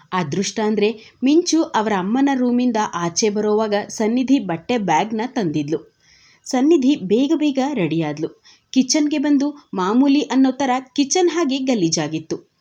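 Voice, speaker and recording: A woman narrating a serial novel in a steady, dramatic storytelling manner. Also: fairly high pitch, dull audio.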